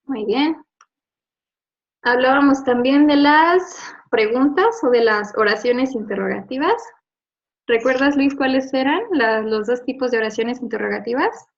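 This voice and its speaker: Patient woman teacher reviewing a lesson, slightly high voice, dull recording. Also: unhurried. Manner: patient, explains with examples and checks with "¿no?". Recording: dull lo-fi audio.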